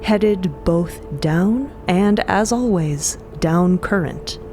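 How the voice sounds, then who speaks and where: A woman's voice: fairly low pitch, expressive, drawn-out words, music in the background. A woman narrating a scripted audio drama in a dramatic style.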